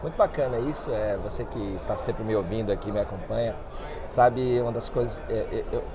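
A man's voice: fairly low pitch, fairly quick. A man hosting a podcast interview, talking in a chatty, informal way with restarts. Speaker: podcast host. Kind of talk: casual interview. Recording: crowd noise behind.

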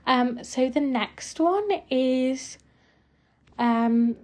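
Young woman, slightly high voice, casual filler-heavy podcast reviewer. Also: drawn-out words. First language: Punjabi not first language. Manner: chatty, many fillers like "um" and "like". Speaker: music reviewer.

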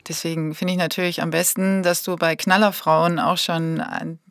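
Female podcast host, slightly low voice, dry close recording, conversational interviewing. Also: little pitch movement, normal speed, fairly bright tone, smooth, dry recording. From Hamburg, Germany. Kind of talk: casual interview chat.

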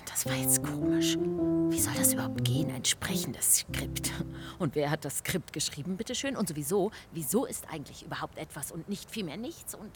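An actress playing a curious, cheeky hiker in an audio drama, chatty and full of questions. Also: female voice, deep voice, expressive, a little fast, whispered, loud music behind the voice. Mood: questioning. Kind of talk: scripted audio drama dialogue.

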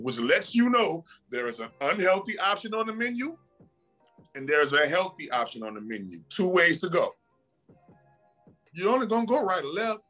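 On a podcast, a male guest delivers casual motivational talk in a fairly high, fairly bright voice. He's preachy and emphatic, repeating himself a lot and frequently asking "right?"

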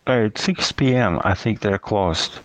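A man talking casually in a halting, hesitant way, with dry deadpan remarks. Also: on the low side, rough recording. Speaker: conversation partner. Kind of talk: casual chat.

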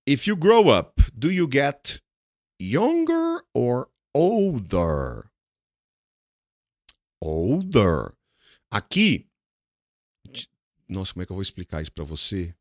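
A Brazilian man who speaks Portuguese natively gives an English lesson very slowly, his accent clearly Brazilian. His pitch swoops wildly as he repeats words and poses questions he answers himself. The recording is close and dry with no echo.

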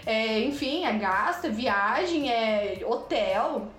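A woman telling a story in casual chat, animated, breaking into excited squeals as she relives moments. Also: on the high side, slow, reverberant.

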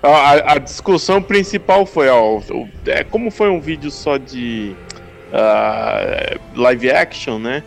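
Gravelly Brazilian man, hesitant chat. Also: mid-range voice, slow, soft background music. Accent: Brazilian Portuguese. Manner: hesitant, many restarts, casual slang. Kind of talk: casual chat.

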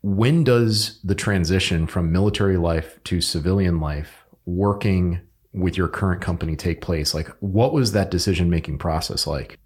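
A man's voice: sits low, moderate pace, a little mellow, breathy edge. A man interviewing a guest, asking rambling questions that restart as he goes.

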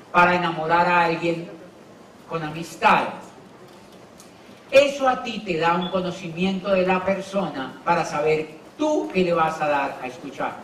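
A Colombian man with a Colombian accent giving an animated seminar talk on network marketing, chatty and acting out dialogue. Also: a little high, slight background noise. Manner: lively, chatty, acts out dialogue. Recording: roomy, distant mic, faint ambience.

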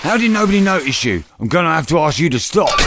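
A man's voice: a little high, very animated, quick pace, background noise. A man playing a baffled, exasperated householder in a pantomime comedy, directly questioning everyone.

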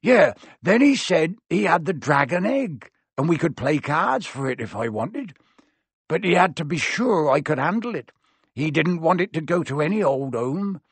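A man voicing a huge, gruff, kindly half-giant gamekeeper who rambles and blurts things out, read from a storybook. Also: on the high side, big pitch swings, normal speed, no echo, pitched above the performer's own voice, heavily acted. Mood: rambling.

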